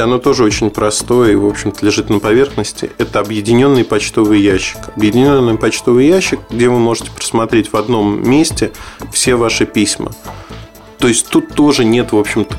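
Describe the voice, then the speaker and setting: Casting: male gadget reviewer, matter-of-fact and doubtful, fry-laden voice, quiet music bed. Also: lowish voice. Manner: matter-of-fact, skeptical, explanatory. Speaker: tech reviewer. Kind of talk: informal spoken product review, loosely scripted.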